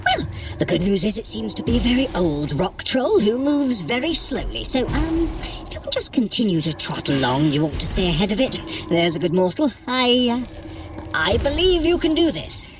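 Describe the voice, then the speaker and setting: Haughty, wildly expressive trickster god. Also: female voice, a little high, normal speed, background noise. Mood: flustered, alarmed. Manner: theatrical, condescending, with flustered hesitations. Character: haughty, sardonic trickster god, grudgingly guiding a mortal. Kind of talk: scripted audio adventure acting.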